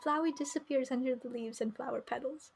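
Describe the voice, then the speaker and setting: A woman's voice: high voice, a little fast, vocal fry, a little hiss or hum. A woman streaming a game, reading its narration aloud and commenting as she goes, with music behind her.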